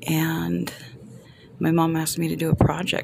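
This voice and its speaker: A soft-spoken voice moves at a very slow pace. Background noise is noticeable. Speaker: craft video maker. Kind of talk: casual chat while crafting.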